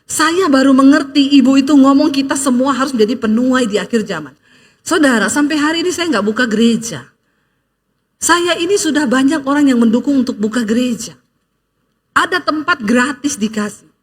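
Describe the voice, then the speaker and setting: A woman pastor giving a lively sermon, telling stories and acting out the people she quotes, with joking asides. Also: sits high, moderate pace, slightly rough.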